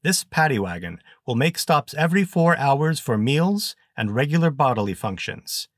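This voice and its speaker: A man's voice: medium pitch, dry recording, studio quality, pitched above the performer's own voice. A man voicing a stern female prison guard giving formal orders. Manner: formal, commanding.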